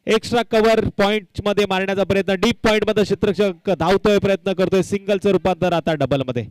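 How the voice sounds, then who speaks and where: Clear, higher-voiced man commentating cricket. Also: fairly even intonation, fast, no echo, poor audio. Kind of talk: live local tournament cricket commentary with announcements.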